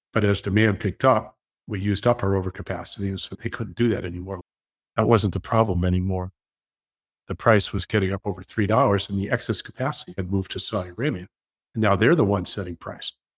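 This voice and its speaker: The speaker is somewhat breathy and talks at a very fast pace with fairly even intonation, on a very clean, dry and close recording with no echo and a silent background. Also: man, fairly low pitch for a man. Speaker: economist. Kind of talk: interview answers, explanatory. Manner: explanatory, opinionated.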